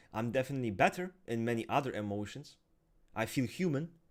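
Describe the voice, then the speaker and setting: A loud man with an intense tone at a fairly quick pace. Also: very clean recording, silent background. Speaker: streamer discussing personality types. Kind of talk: casual livestream chat. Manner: loud, intense.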